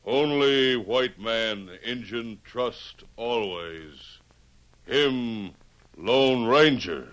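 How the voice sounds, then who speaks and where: Slow, halting western tribal chief. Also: male voice, medium pitch, animated, a bit bright. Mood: solemn, assured. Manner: slow, halting broken English. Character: proud, captured Native American chief in a western. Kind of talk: 1950s radio western acting. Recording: old radio broadcast recording.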